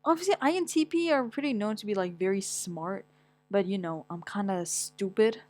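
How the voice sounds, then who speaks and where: A young woman from Morocco talks off the cuff as a vlogger, reading things aloud and reacting to them. She is blunt and rambling, with frequent swearing. Her voice sits at a middle pitch, recorded dry and close with no room sound. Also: normal speed, a little mellow, no room sound, faint music behind. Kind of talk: casual chat, reading aloud.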